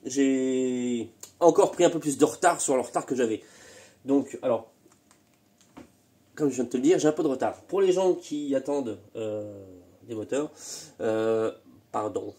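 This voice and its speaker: Guy still a bit stuffed up from a cold, rambling workshop chat, warm mellow voice. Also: mid-range voice, measured pace, long pauses. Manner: rambling, full of hesitations and repeated words. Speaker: moped engine tuner and channel host. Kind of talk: casual workshop vlog.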